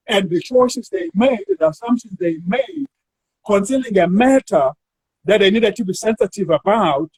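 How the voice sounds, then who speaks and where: A South African man, a university academic, talking through an academic discussion in a measured way and drawing words out while he thinks. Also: high-pitched, husky, no room sound, rough recording.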